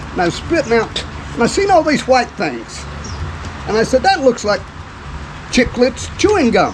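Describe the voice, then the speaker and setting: Over noticeable background noise, a man speaks at an extremely high pitch with very wide pitch swings and an animated tone. He keeps a moderate pace broken by long, frequent pauses. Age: 80s+. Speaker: war veteran. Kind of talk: storytelling.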